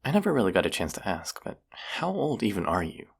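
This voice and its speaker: Man acting deep, gravelly, sarcastic young vampire hunter. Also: very animated, brisk, full character voice. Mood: teasing, defiant. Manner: teasing, sarcastic, casual slangy delivery. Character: young cocky male vampire hunter, sarcastic and self-deprecating. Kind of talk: roleplay audio acting.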